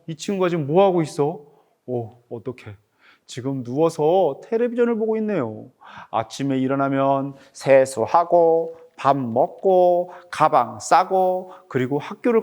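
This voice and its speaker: This middle-aged man, who wrote the picture book he's reading, speaks in a voice that's a little high. Like an animated teacher, he reads it aloud to children and keeps quizzing them along the way.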